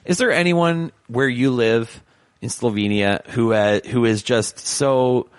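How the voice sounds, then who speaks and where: A man from Canada, talking as a podcast guest in an animated, rambling, self-deprecating way. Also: medium pitch, slow pace, smooth, no room sound. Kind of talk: casual conversation.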